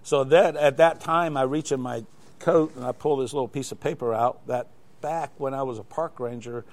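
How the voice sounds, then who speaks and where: A man's voice: medium pitch, normal speed, a little mellow. Older guy telling long stories on a live studio show, keeps restarting, ordinary voice. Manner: rambling storyteller with many restarts. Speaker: interview guest, glider flight examiner.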